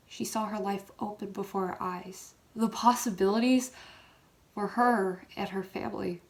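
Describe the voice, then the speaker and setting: A woman performing a scripted dramatic monologue, phrase by deliberate phrase, with pauses for weight. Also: medium pitch, gravelly. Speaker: reader's theater performer.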